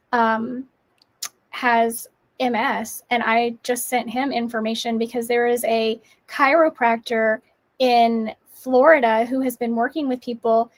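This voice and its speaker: A woman guest on a video call, talking in an emphatic, opinionated way during a casual live-stream chat. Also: fairly high pitch.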